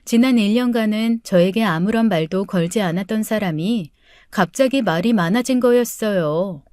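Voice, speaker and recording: A middle-aged woman reading a first-person life story as an audiobook, in a measured, earnest tone. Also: medium pitch, darkish tone, dry recording, clean studio sound. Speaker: story narrator.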